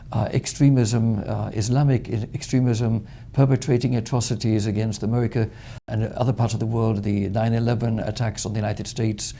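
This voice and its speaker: Male TV interviewer, dark gravelly tone, measured questions. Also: mid-range voice. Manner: measured, poses long framing questions. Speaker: TV show host.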